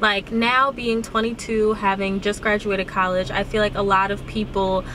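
With music in the background, a woman talks at a moderate pace with fairly even intonation, the sound dry and free of echo. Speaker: vlogger. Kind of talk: casual vlog chat. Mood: candid, reflective storytime. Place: car. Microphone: phone near.

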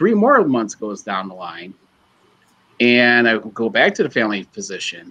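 A man with a Midwestern American accent, bright, sharp tone, very wide pitch swings and big swings in loudness. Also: moderate pace. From US Midwest. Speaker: 3D printing and droid-building hobbyist; panelist. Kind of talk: casual group chat on livestream. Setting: video call. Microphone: video call.

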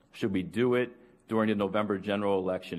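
The speaker is a man. His pitch sits fairly low. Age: 30s. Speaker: teachers' union president. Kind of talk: public address. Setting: public meeting room. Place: meeting room. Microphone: podium.

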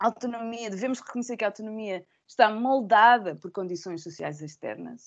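Against a quiet background, a woman talks at a fairly quick pace. Her pitch varies in an ordinary way. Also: big swings in loudness. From Portugal. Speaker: philosophy professor. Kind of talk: academic lecture. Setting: video call. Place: home room. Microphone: earbuds.

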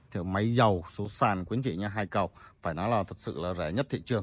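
Recorded with a dry sound and no echo, a man talks at a fairly quick pace, his fairly low pitch showing ordinary pitch variation. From Vietnam. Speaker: used car salesman. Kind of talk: sales pitch. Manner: fast, filler-heavy. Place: street. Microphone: phone near.

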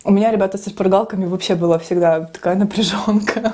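A woman is speaking. Her pace is fairly quick. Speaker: eating vlogger. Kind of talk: casual vlog chat. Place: kitchen.

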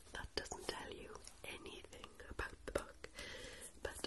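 Whispering, a woman speaks at a fairly slow pace. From Wales. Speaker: book vlogger. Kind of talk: ASMR book review talk to camera. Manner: soft-spoken. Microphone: handheld.

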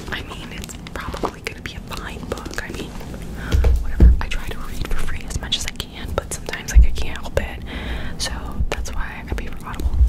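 Someone whispers softly at a fairly quick pace. Loud background noise fills the recording. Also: woman. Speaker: book vlogger. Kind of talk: casual vlog chat. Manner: soft close-mic whisper. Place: home room. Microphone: studio mic.

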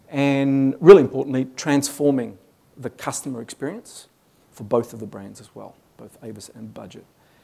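A man with an Australian accent speaks at a moderate pace in a medium pitch, his dark, mellow tone showing big swings in loudness and ordinary pitch variation. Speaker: technology consultant. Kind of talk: conference presentation. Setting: stage with audience. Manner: halting. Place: hall.

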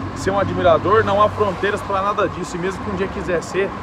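A man with a high pitch projects a raised voice in an upbeat, energetic tone. The sound is dry with no echo, though noticeable background noise is present. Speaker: rodeo announcer, YouTube vlogger. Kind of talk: channel intro and greeting to viewers. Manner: upbeat, energetic, jokey. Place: street. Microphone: phone near.

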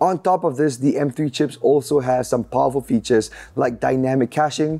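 A man's dark, mellow tone at a moderate pace, with ordinary pitch variation. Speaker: tech reviewer. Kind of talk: tech review commentary. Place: home room.

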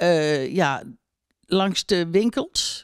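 Her pitch swings very widely as this woman talks. The sound is dry with no echo, over a quiet background. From Netherlands, North Brabant (Made); North Brabant, Netherlands. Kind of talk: personal testimony. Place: home room. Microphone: handheld.

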